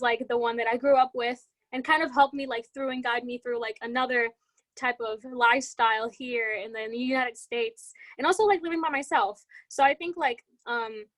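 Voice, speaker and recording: A young Puerto Rican woman with a Spanish accent and a fairly high voice, answering panel questions. She pauses often, fills gaps with "um" and restarts her words, since Spanish is her first language. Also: a bit bright, rough recording. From Puerto Rico. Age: young adult. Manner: hesitant, many fillers, restarts words. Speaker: student panelist.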